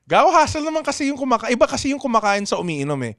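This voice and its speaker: A man's voice: extremely high pitch, sing-song, rapid-fire, creaky, fairly bright tone, dry recording, studio quality. A young man with a Pangasinan accent hosting a comedy podcast, reading listener letters with a lot of swearing and laughter. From Philippines. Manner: swears freely, laughs often, code-switches. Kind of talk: casual comedic podcast chat.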